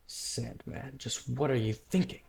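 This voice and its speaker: A man's voice: medium pitch, measured pace, vocal fry, darkish tone. A man voicing an angry, accusatory tribal horseman in a dramatic manga dub. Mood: indignant, accusing. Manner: accusatory, exclaiming. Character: angry tribal horseman pursuing an outcast, indignant and astonished.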